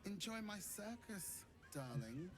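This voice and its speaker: A man's voice: high voice, very animated, slow, exaggerated voice. A man voicing a sassy, theatrical drag queen circus ringmaster and necromancer for a video game, with music behind. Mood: grand, sassy. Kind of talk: video game character acting.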